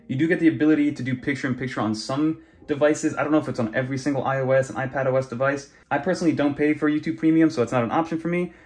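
A man's voice: fairly high pitch, darkish tone. A young man casually walking through tablet browser features in a chatty, conversational way. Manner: chatty, conversational, many fillers. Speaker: tech YouTuber. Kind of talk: casual screen walkthrough.

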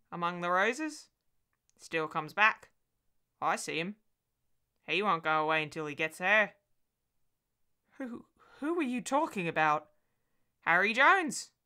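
A woman's voice: on the low side, pushed and bright, smooth, exaggerated voice. A woman voicing a crazed old woman who lives in a condemned house, speaking in clipped, brooding phrases that rise into agitation. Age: older.

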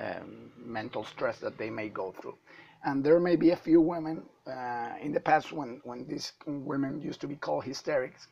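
A man with a hoarse voice from a flu, giving a halting lecture over slides to medical students. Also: medium pitch. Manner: halting, many uh fillers. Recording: dull lo-fi.

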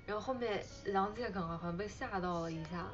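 A woman's voice: mid-range voice, a little fast, lo-fi sound, over music. A young woman hosting a casual livestream, rambling with many fillers, thanking viewers for gifts and breaking into giggles as she tells a story. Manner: bursts into giggles while retelling. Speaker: idol livestream host. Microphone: phone livestream.

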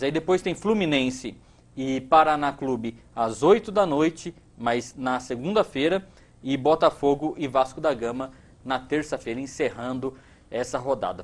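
A man in his thirties from Brazil reads sports news in a TV studio. His voice sits a little high. He keeps it loose and chatty, with lots of small fillers. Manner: relaxed, conversational, many fillers. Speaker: news anchor.

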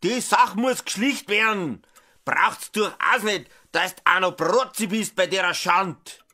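An actor playing a gruff farmer father with a Bavarian accent, blunt and reproachful, in an audiobook drama. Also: high-pitched, unhurried, pushed and bright, heavily acted. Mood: stern outrage. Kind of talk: dialect audiobook drama acting.

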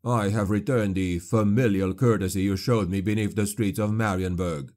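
A man voicing a grim male witch hunter who speaks in a cold, venomous, measured way. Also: lowish voice, steady tone, a little mellow, close to an everyday voice.

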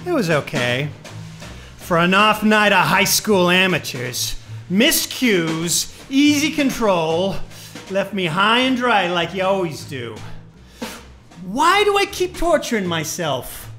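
An actor as a sarcastic, swooping jazz bandleader. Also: male voice, sits high, very animated, slow pace, sharp tone, soft background music, heavily acted. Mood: sneering, angry. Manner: sneering, sarcastic, hostile. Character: bitter, sarcastic jazz bandleader named Buddy. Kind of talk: live old-time radio play acting.

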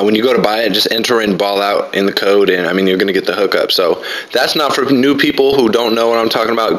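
A man in his twenties giving relaxed, rambling voice-over commentary on his own workout, full of fillers. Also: lowish voice, low-quality recording. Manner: laid-back, rambling, many fillers. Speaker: fitness vlogger.

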